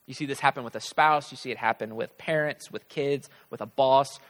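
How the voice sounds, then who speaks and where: A man's voice: mid-range voice, fairly quick, a bit bright. A man preaching a conversational sermon, emphatically repeating his key phrases for effect. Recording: large hall with long reverb.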